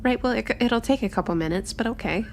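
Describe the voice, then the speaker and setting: A woman playing a curious, confident young tinkerer in a tabletop game, chatting breezily in halting improvised phrases. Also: a little high, gravelly, a little hiss or hum. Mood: sheepish. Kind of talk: improvised tabletop roleplay, casual.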